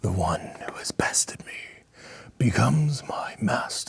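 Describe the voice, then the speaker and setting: A raspy, put-on character voice comes through at a fairly slow pace. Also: man. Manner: solemn, spectral.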